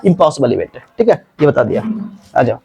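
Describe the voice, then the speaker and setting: A man's voice: medium pitch, sing-song, brisk, gravelly, mellow. A man teaching a maths class, repeating himself and quizzing his students as he explains. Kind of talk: classroom lesson.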